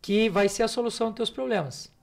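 A man voicing a hurried young traveler in a spoken fable, dismissive and in a rush. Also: high voice, vocal fry. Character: hurried young man seeking meaning of life.

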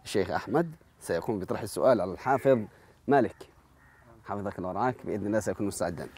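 A man's voice: on the low side, very fast, a little mellow, a little hiss or hum. A man hosting a TV contest show, speaking formal Arabic, addressing viewers and praising the contestant. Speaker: TV show host. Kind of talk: formal broadcast presenting.

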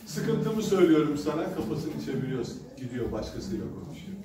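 A man's voice: a little high, sing-song, fairly quick, a crowd in the background. A male pastor giving a sermon at a pulpit microphone, telling stories in a conversational way with hesitant fillers. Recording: echoey hall from a distance with background noise.

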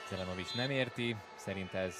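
A man giving excited live play-by-play commentary on a handball match. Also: sits low, loud music behind the voice. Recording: loud arena crowd noise behind commentary. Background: roaring sports hall crowd.

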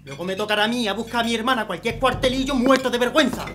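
A man's voice: very high-pitched, very fast, fairly bright tone, faint music behind. A man playing an angry, domineering young brother with a Spanish accent in an audio drama. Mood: angry, scornful.

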